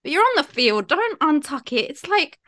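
A woman's voice: high-pitched, very animated, normal speed, fairly bright tone. A woman from India co-hosting a casual sports podcast, talking in a gushing, emphatic way. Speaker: podcast co-host.

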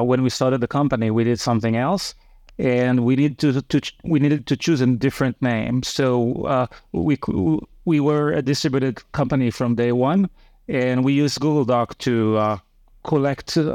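A man talks through an interview in a halting, filler-heavy way, often restarting his sentences. His voice sits at a middling pitch. The sound is dry, with no room echo. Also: a little mellow. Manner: hesitant, many fillers and restarts. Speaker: guest, company co-founder and CEO. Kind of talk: casual interview conversation.

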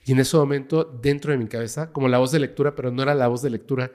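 A man with a Mexican Spanish accent and a mid-range voice tells a story as a podcast guest. He talks in a casual, dramatic way and sinks to a hush at the tense parts. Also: medium pitch, steady tone, rapid-fire. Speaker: guest, paranormal investigator.

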